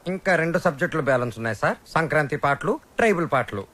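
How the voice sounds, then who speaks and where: A man's voice: a little high, lively intonation, very fast, a bit bright. An actor playing a nervous young music teacher who pleads anxiously with his boss. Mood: flustered.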